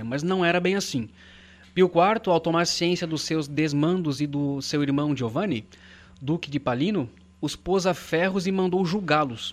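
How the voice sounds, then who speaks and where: A man's moderately paced speech, high in pitch, its pitch variation ordinary. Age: 30s. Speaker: bank worker and church musician. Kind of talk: religious talk show. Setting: studio.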